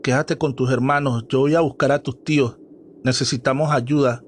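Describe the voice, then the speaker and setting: A man's voice: medium pitch, fairly even intonation, moderate pace, slight background noise, close to an everyday voice. A man voicing a worried mother who speaks with urgent, pleading firmness.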